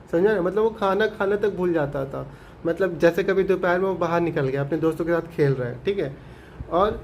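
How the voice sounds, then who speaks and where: Male teacher, high voice, explains an English story in Hindi, asks and answers his own questions, faint noise behind. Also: a little mellow, low-quality recording. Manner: reads English lines slowly, then explains them.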